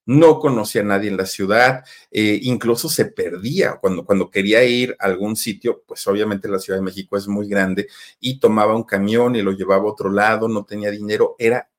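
Telling gossip in a chatty storytelling-host style, this Mexican-accented man talks straight to his audience, packing in plenty of fillers. He speaks a little fast in a lowish voice.

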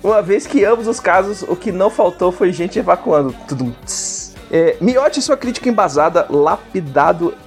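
The animated Brazilian guy at a podcast table, jokingly reading the mailbag in street slang over a music bed. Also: sits high, normal speed, hardly any pauses. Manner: jokey, slangy, often laughing. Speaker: podcast co-host. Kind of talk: casual chat, reading listener comments.

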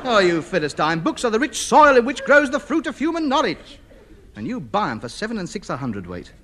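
A man's voice: high voice, huge pitch swings, fairly quick. An actor in a vintage radio sitcom playing a pompous, self-important man who lectures and gets indignant. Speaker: lead character. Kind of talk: 1950s radio sitcom acting. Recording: scratchy old radio broadcast.

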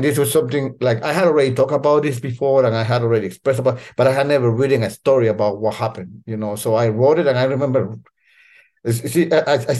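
A man's voice: medium pitch, darkish tone. A man, talking in a casual, earnest way and often repeating words as he searches for them. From Latin America. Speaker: storyteller guest. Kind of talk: casual conversation.

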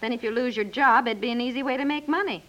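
An actress playing a skeptical, practical wife who gently needles her husband in a dry, wry way, in 1950s radio comedy style. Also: on the high side, fast talker, lo-fi sound, background noise, close to an everyday voice. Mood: dry, needling. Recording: 1950s network radio recording.

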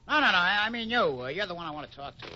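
A pushy, slick city photographer in an old radio western. His voice is very sharp and forceful and leaps up and down as he insists and schemes, on a dull recording. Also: high-pitched, racing, a little hiss or hum, full character voice. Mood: scheming. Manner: insistent, hesitating with uhs, excitable. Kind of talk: 1950s radio western acting.

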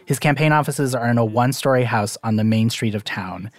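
A man's voice: mid-range voice, a little fast. A man hosting and reporting a podcast, narrating a documentary story in a conversational, lightly self-deprecating way.

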